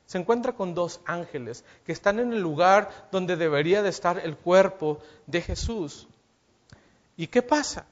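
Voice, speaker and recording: A male preacher with a notably high voice delivers a sermon and keeps turning to his listeners with questions. He acts out the lines he quotes as he goes. The recording is dull and lo-fi, with a muffled top end.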